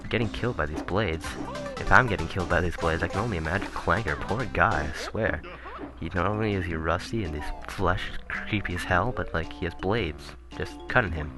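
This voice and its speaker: A man commentating casually on a video game he is playing, rambling and correcting himself, his voice turning raspy. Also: low voice, brisk, few pauses. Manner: rambling, self-correcting, chuckling asides. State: voice getting raspy. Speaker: let's play commentator. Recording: game music playing behind.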